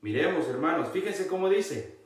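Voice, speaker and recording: Man, Catholic preacher, reading scripture, emphatic and repetitive, slightly high voice, distant mic. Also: expressive. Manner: emphatic, often repeating "look" to the listeners; reads scripture aloud slowly. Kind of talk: Bible-reading sermon. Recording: very echoey, mic far from speaker.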